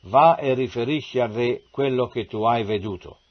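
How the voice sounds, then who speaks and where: A stern male army commander, as a man reads him, firm and commanding. The voice sits at a middle pitch. The recording sounds dull and lo-fi. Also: moderate pace, natural voice.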